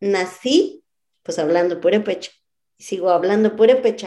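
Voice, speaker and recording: A woman's voice with a dark, mellow tone. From P'urhépecha community, Michoacán, Mexico. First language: P'urhépecha (speaking Spanish). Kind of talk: interview, life story.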